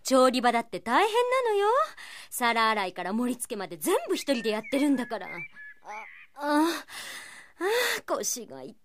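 Proud, sharp-tongued, high-voiced young lady. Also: very animated, moderate pace, noisy background. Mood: weary grumbling. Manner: haughty, exasperated, feminine phrasing. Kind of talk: anime-style radio drama acting.

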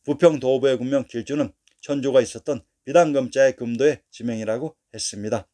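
A man giving a formal, steady scripted narration as a history narrator, reading dates and place names one after another. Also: medium pitch, a little fast.

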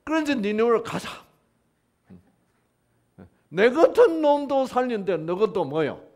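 A man's voice: very high voice, sing-song, a little slow, a little mellow, pitched above the performer's own voice, full character voice. A man voicing a grumbling, desperate male prophet in a blunt, exasperated way.

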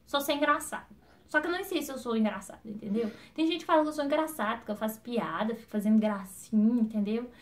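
A woman vlogging casually to camera, rambling and jumping between topics as she talks to her viewers. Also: on the high side. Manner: chatty, quick-talking, addresses viewers directly.

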